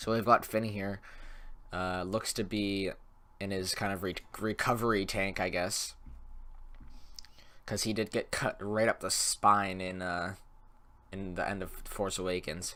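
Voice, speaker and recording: A man's fairly low, bright, sharp voice in monotone, flat intonation at a fairly slow pace with long, frequent pauses, on a very clean recording with a silent background. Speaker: YouTube commentator. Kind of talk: casual talk to camera.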